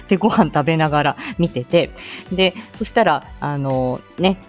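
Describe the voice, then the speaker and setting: A speech therapist hosts her weekly morning live stream alone, chatting casually but flustered, full of fillers and little laughs. Her deep voice is animated and moves at a normal speed, with faint music playing behind her.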